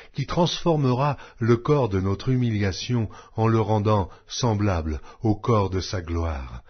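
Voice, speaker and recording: A man reading scripture as an audiobook narrator in a solemn, measured, declamatory style. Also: lowish voice, slightly rough. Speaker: Bible narrator. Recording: dull, muffled lo-fi audio.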